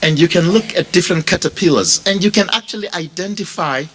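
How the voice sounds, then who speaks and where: A man with a Zimbabwean accent preaching a sermon as a pastor, speaking deliberately and repeating phrases for emphasis as he addresses his listeners directly. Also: high-pitched, a bit bright. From Bulawayo, Zimbabwe. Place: funeral service before a congregation.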